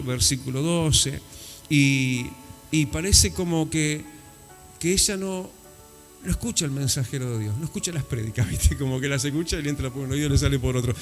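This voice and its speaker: A man from Uruguay with a Rioplatense accent, preaching a lively, conversational sermon in church. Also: fairly high pitch, long reverb tail. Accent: Rioplatense Spanish. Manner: lively, conversational preaching with rising emphatic peaks. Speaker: pastor.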